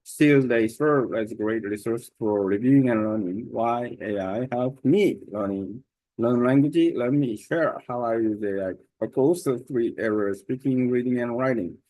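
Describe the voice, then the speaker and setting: A man's voice: mid-range voice, mellow, dry recording, low-quality recording. Man with a Korean accent reading aloud. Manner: careful, deliberate reading with small slips. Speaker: language learner sharing his study method. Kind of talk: reading a prepared text aloud.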